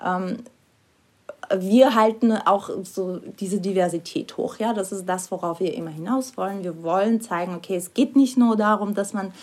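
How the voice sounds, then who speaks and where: A woman's voice: mid-range voice, normal speed, darkish tone. A woman co-hosting a podcast, speaking casually with frequent hesitations and restarts. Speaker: podcast co-host. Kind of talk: casual conversational interview.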